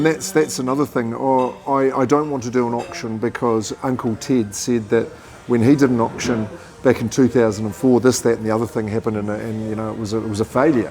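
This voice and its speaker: Over music in the background, a man of medium pitch speaks at a fairly quick pace with fairly even intonation. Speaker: auctioneer. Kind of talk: podcast interview answer.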